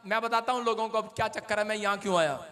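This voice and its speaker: This pastor guy's got a really high, bright, ringing voice. he jokes around and barks orders at people and the camera in the middle of a church service. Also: fast talker. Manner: joking, bossy, directs people and the camera. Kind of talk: playful deliverance sermon in church. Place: church service before a congregation.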